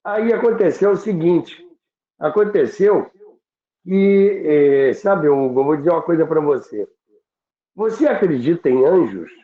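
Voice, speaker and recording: A man's voice: on the high side, lively intonation, measured pace. A man with a Brazilian accent telling stories conversationally as a radio history commentator, stressing points through repetition and lists. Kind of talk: conversational storytelling. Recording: thin phone-like sound, roomy echo.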